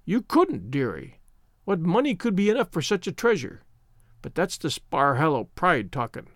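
A man's voice: fairly high pitch, huge pitch swings, moderate pace, dry recording, clean studio sound. A man voicing a scheming old woman witch who speaks in a folksy rustic dialect. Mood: scornful.

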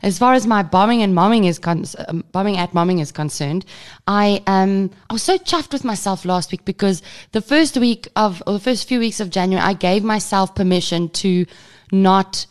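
A woman's voice: mid-range voice, moderate pace, clean tone. A woman in her thirties co-hosting a podcast, speaking casually while nasal and sniffly from a head cold. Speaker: podcast co-host. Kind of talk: casual chat.

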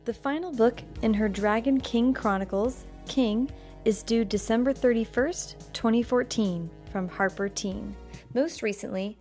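A woman's voice: on the high side, unhurried, darkish tone, soft background music. Woman host reading an upbeat intro. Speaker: podcast host. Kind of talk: scripted narration intro.

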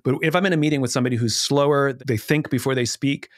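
A middle-aged man, a podcast guest who explains his ideas quickly and with energy in casual conversation. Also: mid-range voice, dry recording, studio quality.

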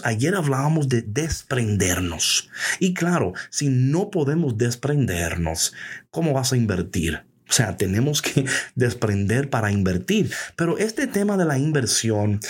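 A man hosting a casual devotional podcast, lively and playful, dropping English phrases into his talk. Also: medium pitch, a little slow, husky. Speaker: podcast host.

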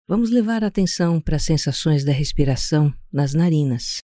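A Brazilian-accented speaker guiding a meditation in a calm, soothing, unhurried way, leaving pauses between instructions. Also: mid-range voice, dry recording, studio quality. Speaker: podcast host guiding a meditation. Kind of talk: slow guided meditation narration.

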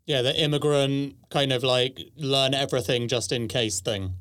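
A man's voice: mid-range voice, steady tone, moderate pace, fairly bright tone, no echo. Podcast host man, dry close sound. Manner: scripted, upbeat intro, then loose conversational questions. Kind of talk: podcast intro and interview questions.

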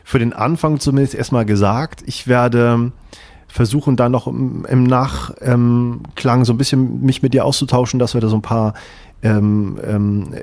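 A man's voice: medium pitch, a little mellow. A man hosting a podcast interview, thanking his guest and listeners politely with hesitant fillers. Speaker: podcast host.

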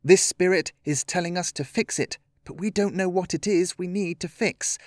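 A man's voice: high-pitched, moderate pace, no room sound, studio quality, voice pushed up, lightly acted. A man voicing an earnest young girl who takes charge of her friends in an audiobook story. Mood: earnest, decisive.

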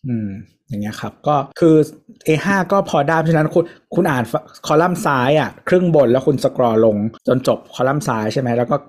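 A man co-hosting a tech podcast, talking at a middle pitch. He walks through details patiently, leaning on fillers as he explains. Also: lively intonation, fast. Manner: explains step by step with many fillers. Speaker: podcast co-host. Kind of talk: casual tech chat.

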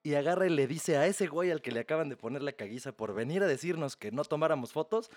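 A man's voice: a little high, fast, dry recording. Slangy Mexican man telling a story. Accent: Mexican Spanish. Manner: crude slang-heavy, animated retelling. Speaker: podcast host. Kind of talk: casual storytelling chat.

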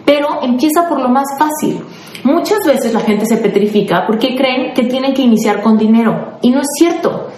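A woman's voice: high voice, expressive, normal speed, echoey room, a little hiss or hum. A woman with a Mexican accent, a life coach hosting a podcast, giving listeners motivational advice in a conversational way. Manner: warm, conversational, answers listeners by name.

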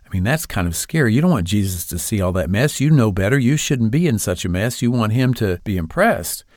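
A man's voice: lowish voice, lively intonation, brisk, darkish tone, dry recording, studio quality. A man hosting a devotional podcast, reading aloud an allegory of his own in an earnest storytelling manner. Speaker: podcast host.

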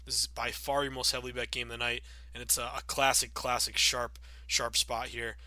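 Bright-voiced man hosting a sports podcast. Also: medium pitch, little pitch movement, a little fast, no echo. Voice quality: upbeat, chatty with many fillers. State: sick with a cold, a bit raspy. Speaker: podcast host. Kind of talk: casual sports betting podcast monologue.

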